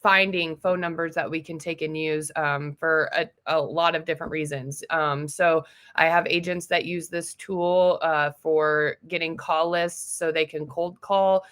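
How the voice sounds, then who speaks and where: A woman with a slightly low-pitched voice leads a casual training tutorial. She explains each step informally, like a trainer walking colleagues through a piece of software. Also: fairly even intonation, unhurried, clean tone. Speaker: trainer for real estate agents.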